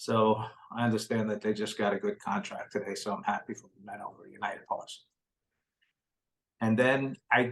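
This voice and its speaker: A man with a New York accent. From New York City (Brooklyn). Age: 70s. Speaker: near-death experiencer, former paramedic. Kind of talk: interview testimony.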